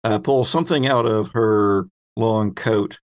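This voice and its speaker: A man working as host and game master, narrating an improvised story in a conversational way, pausing to search for words. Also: fairly low pitch.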